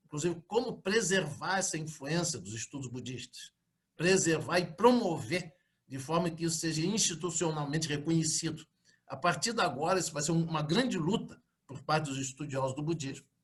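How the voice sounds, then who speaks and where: Here a man has a normal speaking voice, fairly high in pitch. He goes at a moderate pace with ordinary pitch variation. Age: 60s. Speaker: professor. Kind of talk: interview. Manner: formal.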